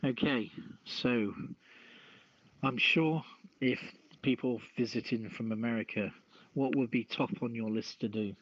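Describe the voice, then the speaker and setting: A man hosting a podcast, reading aloud and chatting casually in a halting, list-like way. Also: medium pitch. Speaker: podcast host. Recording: muffled lo-fi audio, roomy echo.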